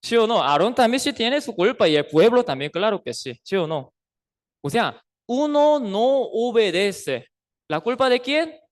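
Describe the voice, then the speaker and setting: A Costa Rican pastor preaching to his church in a high, smooth voice. He keeps checking in with rhetorical questions to the congregation. Now and then he raises his voice to play the people in his stories. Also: sing-song, unhurried. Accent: Costa Rican Spanish. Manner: acts out quoted figures in a raised voice. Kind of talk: sermon.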